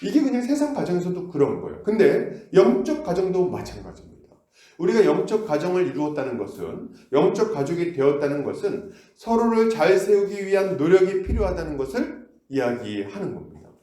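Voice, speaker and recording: Guy preaching in an echoey church, voice swings up and down a lot, kinda mellow tone. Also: high-pitched, very animated, fairly quick. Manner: conversational, asks the congregation questions, acts out scoldings. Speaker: pastor. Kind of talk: sermon. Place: church sanctuary.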